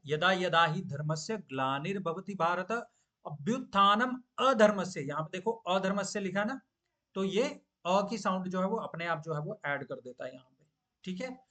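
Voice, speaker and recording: Man, fairly high voice, patient teacher, explains step by step, drawn-out hesitation sounds. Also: sharp tone. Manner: patient explaining, mixes Hindi with English phrases. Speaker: Gita teacher. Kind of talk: online class lesson.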